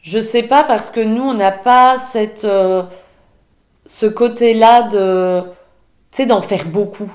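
A woman's voice: mid-range voice, takes it slowly, a little mellow. A woman from Belgium, a podcast guest, talking casually and hesitantly with many restarts. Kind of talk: casual conversation. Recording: roomy echo.

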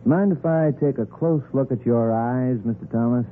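Actor playing brisk slick con man, old noisy radio. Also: medium pitch, close to an everyday voice. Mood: grave, solicitous. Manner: brisk, officious, falsely sympathetic. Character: smooth, crisp male con artist posing as health researcher. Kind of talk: 1940s radio acting. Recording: noisy, narrow-band 1940s radio recording.

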